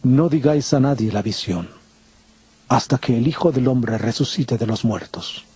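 An actor playing Jesus as an authoritative, solemn, declamatory teacher in a dramatized audio Bible. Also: male voice, medium pitch, normal speed, mellow, breathy edge, no echo.

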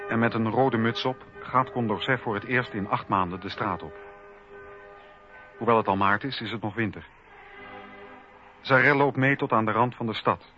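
A man narrating a documentary radio drama from a script. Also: fairly low pitch. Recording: dull lo-fi radio recording. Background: music.

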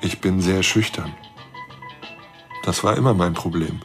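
A low male voice plays a shy, lonely astronomer in a radio drama. He speaks haltingly and earnestly, trusting and wistful, as if confiding. Soft music sits faintly behind him. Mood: shy, hopeful. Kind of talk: intimate radio drama monologue.

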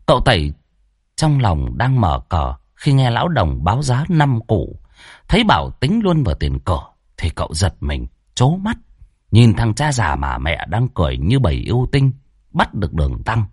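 A man narrating a ghost story in a lively, expressive way. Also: on the low side, moderate pace, breathy edge, no echo, clean studio sound.

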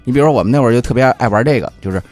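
A man hosting a radio talk show in relaxed, folksy chat, often restarting his sentences. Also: mid-range voice, very fast, no echo, soft background music. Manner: conversational, hesitant restarts, folksy. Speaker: radio host.

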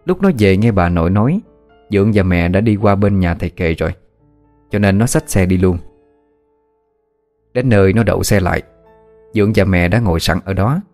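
A man narrating a ghost story in a calm, even way. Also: low voice, normal speed, pauses often. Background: faint music.

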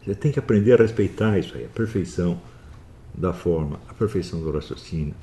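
A man giving a philosophy lecture, swinging from calm explaining to forceful scolding. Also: sits low, a little fast. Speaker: philosophy teacher. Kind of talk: recorded online lecture.

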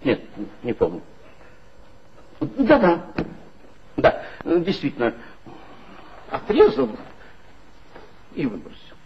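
A man's voice: fairly high pitch, wildly swooping pitch, slow pace, long pauses, a little hiss or hum, exaggerated voice. An actor playing a nervous, evasive male office worker in a 1960s radio play. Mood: flustered. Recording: dull lo-fi old radio recording.

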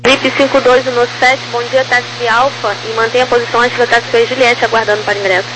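A woman's voice: a little high, level tone, fairly quick. Female air traffic controller on crackly radio. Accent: Brazilian. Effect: aviation radio transmission. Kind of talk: radio phraseology, clipped instructions. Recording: noisy crackly aviation radio.

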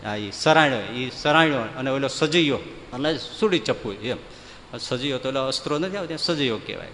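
A man, telling humorous devotional stories to a hall in a lively, folksy way. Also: medium pitch, normal speed, slight background noise. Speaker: folk storyteller.

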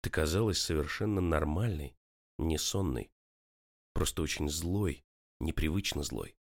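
A man voicing a young man who is hurt and angry, speaking low and quiet. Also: lively intonation, measured pace, heavily acted. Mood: subdued. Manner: low, quiet, clipped through teeth.

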